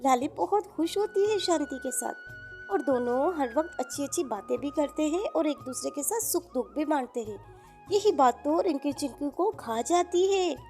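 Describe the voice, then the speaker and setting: High, mellow-voiced woman storyteller. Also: lively intonation, normal speed, faint music behind. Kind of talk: children's moral story narration.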